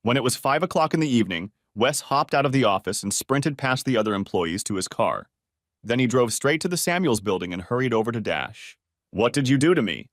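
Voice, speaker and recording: A man narrating an audiobook story in a steady storytelling manner. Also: mid-range voice, fairly quick, dry recording, clean studio sound.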